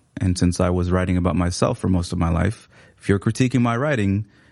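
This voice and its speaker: Against a quiet background, a man speaks with a Somali accent at a very deep, low pitch. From Seattle, US. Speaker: author and writing teacher. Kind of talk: casual interview. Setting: studio.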